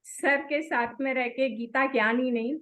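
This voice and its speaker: A woman's voice: high-pitched, steady tone, normal speed, a bit bright. A woman, a student and co-presenter, earnestly speaking of what she learned from her teacher. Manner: earnest, grateful. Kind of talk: spoken tribute to a teacher.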